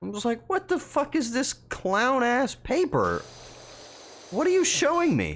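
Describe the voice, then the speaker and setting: A man with an extremely high voice speaks at a fairly slow pace. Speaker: VTuber streamer. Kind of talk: casual gaming stream talk. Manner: animated storytelling.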